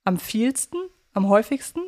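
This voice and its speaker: A woman's voice: a little high, normal speed, darkish tone. Woman chatting as a podcast co-host. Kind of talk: casual podcast discussion.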